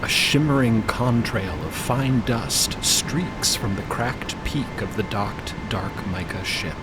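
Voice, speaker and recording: A man narrating a fantasy audio drama in a deliberate, portentous, scripted style. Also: on the low side, over loud music, rough recording.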